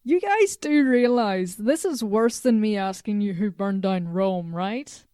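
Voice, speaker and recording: A self-assured female robot from the future played by a woman speaks in a mellow, relaxed voice. She is blunt and faintly condescending, matter-of-fact in audio drama dialogue, recorded dry and close. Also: medium pitch, unhurried, clear, resonant tone, no echo, close to an everyday voice. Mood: amused disbelief.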